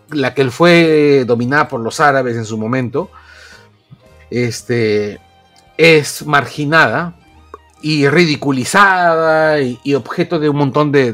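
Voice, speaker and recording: A man's voice: mid-range voice, a bit bright. A man, a podcast co-host explaining at length in casual chat with lots of fillers. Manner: rambling, explanatory, many fillers.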